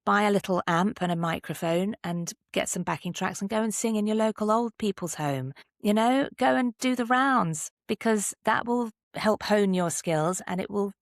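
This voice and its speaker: A woman's voice: medium pitch, normal speed, few pauses, no echo, clean studio sound. A woman speaking conversationally as an interview guest, giving candid, emphatic and encouraging advice. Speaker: podcast guest, actor and drama teacher.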